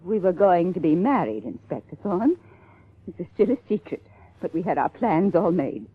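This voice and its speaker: Woman playing a husky, dramatic faded actress. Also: fairly low pitch, very animated. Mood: passionate, defensive. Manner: theatrical, halting with emphatic repetition. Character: aging, faded stage actress, dramatic and passionately lovelorn. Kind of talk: 1950s detective radio play acting. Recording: lo-fi radio drama, faint music.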